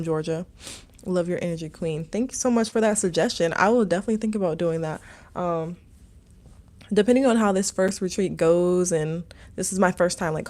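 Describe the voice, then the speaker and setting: Lowish and darkish in tone, this woman's voice belongs to a young meditation teacher from Maryland, USA. She's running a relaxed livestream, meandering through viewers' comments and filling the gaps with lots of "um" and "like."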